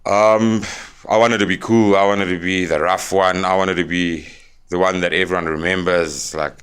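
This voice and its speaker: A young South African man telling his life story as a podcast guest, plain-spoken and halting with fillers. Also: low voice, fairly even intonation, fairly bright tone, clean tone. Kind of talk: candid interview storytelling.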